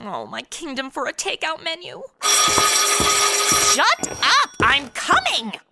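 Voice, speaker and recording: A woman's voice: sits high, wildly swooping pitch, takes it slowly, creaky, heavy background noise, heavily acted. A woman playing a flippant, slangy twenty-something in a comedic audio drama, exasperated and sassy. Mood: frantic, annoyed. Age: 20s. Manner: flippant, slangy, exasperated, valley-girl phrasing. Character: sassy modern twenty-something woman stuck in old radio noir.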